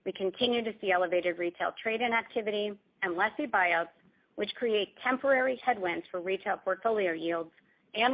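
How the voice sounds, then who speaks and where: A dull, band-limited conference call recording carries a woman's mid-pitched voice. She speaks as a company executive presenting financial results from a script. Her delivery is formal, measured and corporate.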